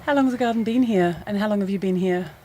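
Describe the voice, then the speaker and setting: Woman radio host, fast-talking and mellow, curious questioner. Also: mid-range voice, slight background noise. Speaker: radio interviewer.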